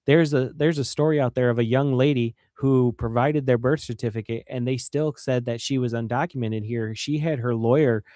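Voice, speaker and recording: Male guest with a Michigan accent, mid-pitched and earnest, repeats himself for emphasis, dry studio sound. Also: steady tone, moderate pace, hardly any pauses, mellow, no echo. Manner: earnest, repeats words when stressing a point. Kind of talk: earnest conversational interview.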